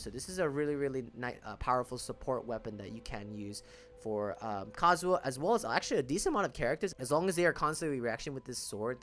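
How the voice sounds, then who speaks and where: A man with an average-pitched voice talks through game details as a video creator. His delivery is casual and conversational, explaining things in an informal way. Music plays behind his voice. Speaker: gaming video creator reviewing game banners. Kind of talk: casual gaming commentary.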